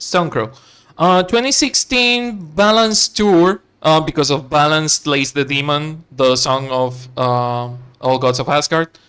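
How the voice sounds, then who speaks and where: With a non-native accent, a man talks at a very slow pace, his pitch swinging very widely, on a very clean recording with a silent background. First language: not English. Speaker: gaming streamer. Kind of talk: let's play commentary. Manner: casual, reads game text aloud.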